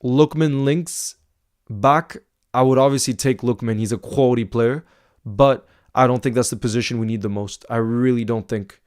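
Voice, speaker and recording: A man's voice: medium pitch, fairly even intonation, moderate pace, a little mellow. A man with an American accent, of half French and half Icelandic origin, hosting a casual football livestream, reading viewer comments and repeating words for emphasis.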